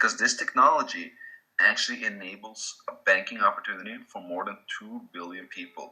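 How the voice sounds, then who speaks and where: Speaking with a Swedish accent, a man talks at a fairly quick pace. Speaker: network marketing presenter. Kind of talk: sales presentation.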